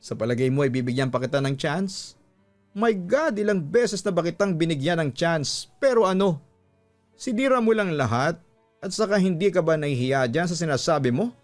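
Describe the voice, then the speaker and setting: A man acts out a betrayed wife in a radio love drama, wounded and angry, reproaching her husband in a raised pitch. Music plays underneath. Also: expressive, moderate pace, lightly acted. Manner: emotional, reproachful, switching between Tagalog and English.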